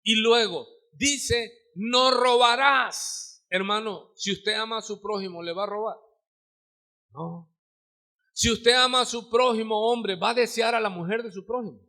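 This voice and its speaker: High, bright-voiced older preacher. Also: male voice, normal speed. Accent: Mexican Spanish. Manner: fervent, calls listeners "hermano", asks the congregation questions. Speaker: pastor. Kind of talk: live sermon. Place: church sanctuary.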